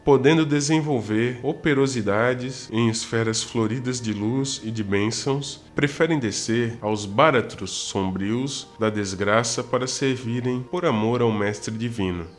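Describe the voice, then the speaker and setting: A man's voice: medium pitch, close to an everyday voice. Padre Anselmo, a man playing a solemn priest spirit. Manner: formal, archaic preaching address. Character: solemn, kindly male priest spirit guiding lost souls. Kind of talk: radio drama acting.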